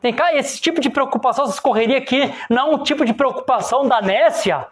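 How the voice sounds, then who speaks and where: A man's voice: very high voice, quick pace, slightly rough. Gaúcho pastor preaching to his church. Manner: keeps asking the congregation "né?" for agreement; grows loud and emphatic when pressing a point. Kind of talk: preaching a sermon with call-and-response. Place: church service in front of a congregation.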